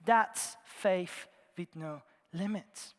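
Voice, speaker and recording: A man from Iran, preaching a sermon in an earnest storytelling way, his phrases often trailing off softly at the ends. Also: high voice, extremely slow. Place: large church. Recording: long church reverb.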